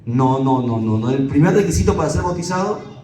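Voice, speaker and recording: A pastor with a Peruvian Spanish accent, preaching emphatically to a congregation and firing off rhetorical questions. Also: male voice, mid-range voice, expressive, brisk, mellow, reverberant, distant mic, poor audio.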